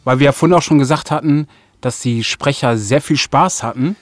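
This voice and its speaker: Man, mid pitch, dry recording, polite, informal, casual interview guest. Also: brisk, dry recording. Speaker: audio drama editor and composer, interview guest.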